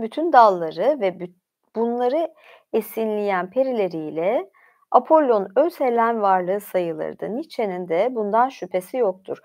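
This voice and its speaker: Her mid-range voice comes across with a lo-fi sound as this woman hosts a livestream on mythology. She reads aloud casually, stopping regularly to add conversational remarks.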